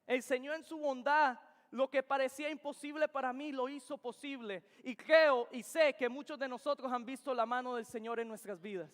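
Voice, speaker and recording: A man's voice: extremely high pitch, steady tone, normal speed, hardly any pauses. A young man preaches. He speaks in earnest, emphatic bursts and keeps circling back to his key phrases. The sound carries the long reverb of a church sanctuary. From Venezuela. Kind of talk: sermon.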